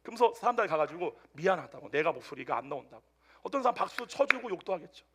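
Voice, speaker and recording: A male pastor delivers a Sunday sermon in a high, bright voice. His pitch leaps and dips constantly as he tells his story, jumping from loud bursts to hushed asides. He preaches to a congregation that answers him. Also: quick pace, slightly rough. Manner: animated storytelling, swinging between loud outbursts and hushed asides. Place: church service with a congregation answering amen.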